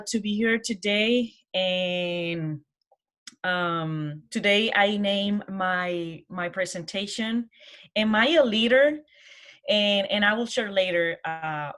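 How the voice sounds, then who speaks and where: A woman with a Colombian Spanish accent speaks to an audience as a guest presenter. She takes her time, pausing and restarting often. Her pitch sits in the middle, and her delivery is informal and hesitant. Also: fairly bright tone. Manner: halting, hesitant, many pauses and false starts. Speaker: guest speaker, college program manager.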